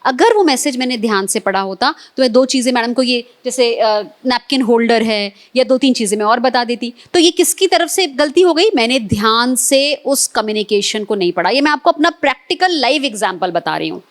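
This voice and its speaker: A middle-aged Indian woman running an etiquette workshop, lively and coaxing the audience with questions. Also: on the high side, fairly quick, few pauses. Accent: Indian Hindi. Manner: animated, quizzes and coaxes the audience. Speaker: etiquette trainer. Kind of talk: live classroom workshop.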